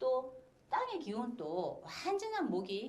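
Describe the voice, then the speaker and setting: A woman's voice with very wide pitch swings, audible room echo, and noticeable background noise. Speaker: saju fortune-telling teacher. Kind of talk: lecture.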